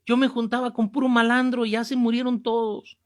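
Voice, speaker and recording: A Catholic preacher, teaching a Bible class in a fervent, emphatic way and repeating key phrases. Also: male voice, extremely high pitch, level tone, fairly quick. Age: 50s.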